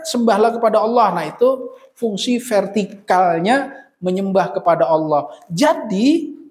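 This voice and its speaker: A man, an Islamic cleric, giving a religious lecture, stressing his points with rhythmic repeated lists and reciting Arabic verses. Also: sits high.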